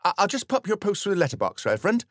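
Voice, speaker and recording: A man voicing an excitable, gossipy village postwoman with an eager, breathless delivery. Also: high-pitched, unhurried, gravelly, slightly rough, no echo, studio quality, pitched above the performer's own voice, heavily acted. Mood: excited.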